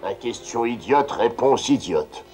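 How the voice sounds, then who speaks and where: An actor playing an irritable, scheming uncle in a French cartoon dub, blustering and stammering. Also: male voice, medium pitch, expressive, measured pace, loud music behind the voice, natural voice. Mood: flustered.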